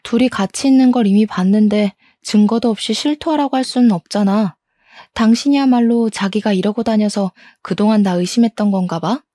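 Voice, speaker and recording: A woman's voice: medium pitch, brisk, dark tone, dry recording, clean studio sound, lightly acted. A woman playing a betrayed wife who fires back with bitter, indignant retorts. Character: betrayed, furious wife in her thirties. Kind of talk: audio story dramatization.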